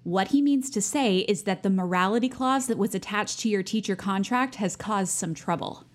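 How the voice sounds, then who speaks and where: An actress playing a self-righteous, overbearing Catholic high school senior girl in an audio play, chirpy, pushy and self-important. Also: moderate pace, natural voice. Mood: smug, chatty. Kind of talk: naturalistic audio drama acting.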